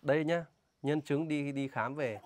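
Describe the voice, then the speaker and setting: A man's voice: fairly high pitch, a little slow, a little mellow, no room sound. Indignant Vietnamese vlogger man. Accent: northern Vietnamese. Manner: indignant, emphatic, asks pointed questions. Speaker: vlogger warning villagers about a scam. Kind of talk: casual outdoor vlog talk, interviewing a local.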